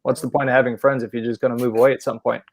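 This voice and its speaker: Gravelly-voiced Polish-born coach, dry sound. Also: male voice, medium pitch, very fast, no echo. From Poland. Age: about 40. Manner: relaxed storytelling. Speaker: university soccer head coach. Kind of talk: podcast interview.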